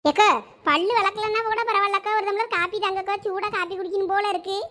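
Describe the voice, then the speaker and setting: A woman's voice: extremely high pitch, fairly even intonation, fast talker, pushed and bright. Woman doing a pleading young village wife with a Thoothukudi accent. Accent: Thoothukudi Tamil. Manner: pleading, coaxing.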